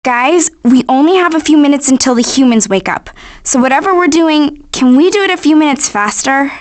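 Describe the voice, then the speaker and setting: A sassy American teenage girl, a cartoon animal in a video game. The voice is fairly high, with a casual know-it-all delivery. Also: lively intonation, a little fast, no room sound. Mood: urgent.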